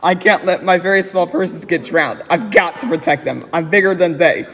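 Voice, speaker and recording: Man reading as a high-voiced earnest elephant. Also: fairly quick, fairly bright tone, soft background music. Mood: protective, pleading. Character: gentle, earnest, protective male storybook elephant. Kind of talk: amateur storybook character reading. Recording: reverberant hall-like echo.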